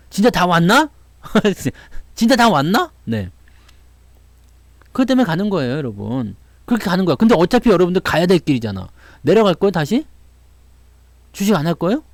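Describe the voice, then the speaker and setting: A man's voice: high voice, no echo, studio quality. A man talking casually to viewers about the stock market, telling stories and acting out the voices of people he quotes. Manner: chatty storytelling, acts out quoted voices, laughs often.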